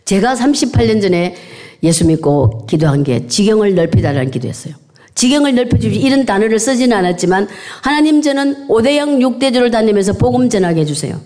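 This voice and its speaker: A woman's voice: medium pitch, warm tone. An older woman preaching a sermon to a congregation, exhorting listeners and repeating key phrases for emphasis. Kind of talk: sermon to a congregation, with scripture reading and amen prompts.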